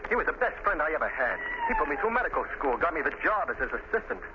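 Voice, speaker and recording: An actor playing an earnest, grieving young medical assistant, emotional, in 1930s radio style on a noisy old recording. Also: male voice, on the high side, wildly swooping pitch, fast talker, lo-fi sound. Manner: emotional, intense.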